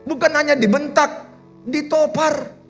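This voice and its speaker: A man preaching a sermon as pastor, in an animated, teasing and humorous way. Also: extremely high pitch, unhurried, soft background music. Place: church.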